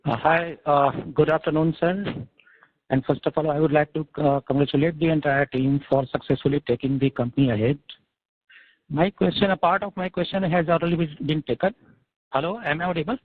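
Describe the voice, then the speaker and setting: A man's voice: fairly high pitch, steady tone, brisk, no echo. An Indian man calling in to ask questions on an investor call, speaking formally and politely. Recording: tinny phone line, radio-like.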